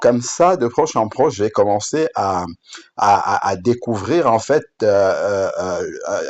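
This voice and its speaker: A man whose first language is Bamoun presents his Bible app in an unscripted screen demo, speaking haltingly with frequent fillers and restarts. His voice is low and a little mellow. The sound is dull and lo-fi.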